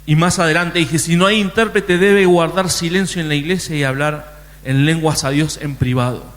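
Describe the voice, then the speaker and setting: A man's voice: a little high, fairly even intonation, normal speed, a bit bright, big-room sound. A man preaching a sermon in a conversational way, often restarting his sentences. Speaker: pastor.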